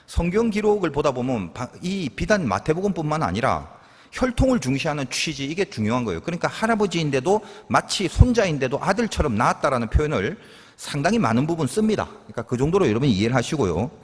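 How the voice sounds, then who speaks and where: Man, pastor, husky voice, lively up-and-down pitch, sermon, chatty teaching with questions, church hall reverb. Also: fast. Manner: conversational teaching with rhetorical questions and asides.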